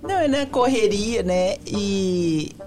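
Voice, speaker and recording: A woman's voice: mid-range voice, lively intonation, slow pace, mellow. Candid Brazilian woman guest. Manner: candid, telling stories in short plain phrases. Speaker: guest, nursing technician. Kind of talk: casual interview chat.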